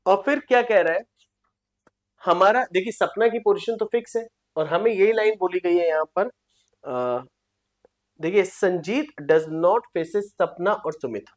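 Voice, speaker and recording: Low-voiced woman teaching a reasoning lesson. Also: lively intonation. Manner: reads problem lines slowly and repeats them, checks with "clear?". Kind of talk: online exam-prep lesson.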